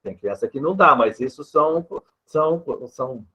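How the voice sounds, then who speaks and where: A man's voice: a little high, expressive, normal speed, pushed and bright, slightly rough. A man with a Brazilian Portuguese accent, a speech therapist, patiently explaining with examples and a habit of tagging his sentences with a questioning "né". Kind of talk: explanatory interview answer. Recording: dull lo-fi sound.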